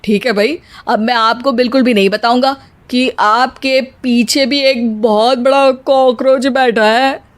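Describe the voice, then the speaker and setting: A woman's voice: a little high, fairly even intonation, measured pace, close to an everyday voice. A woman voicing a teasing young husband in a cartoon story, mocking his family.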